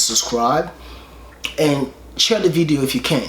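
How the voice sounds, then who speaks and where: A man with a Nigerian accent speaks in a fairly high pitch against noticeable background noise. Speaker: YouTube reactor. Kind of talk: casual talk to camera.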